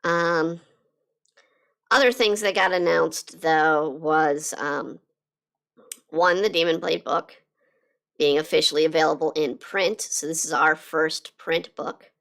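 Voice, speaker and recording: A woman chatting casually on a live drawing stream, her voice slightly hoarse from being sick, rambling with lots of fillers and restarts. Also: sits low, steady tone, slow pace, a bit bright. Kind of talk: casual chat while drawing.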